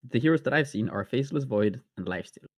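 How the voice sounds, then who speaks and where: A man co-casting a live esports match, speaking haltingly with frequent restarts. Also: medium pitch, animated, no echo, studio quality. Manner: hesitant, many restarts and fillers. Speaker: esports co-caster. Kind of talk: live game commentary.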